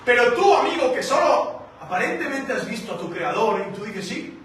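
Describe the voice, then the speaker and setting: A man preaching a sermon as pastor, theatrical and animated, with sound effects and acted-out voices. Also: extremely high pitch, moderate pace. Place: church hall. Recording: echoey hall from far off, faint noise.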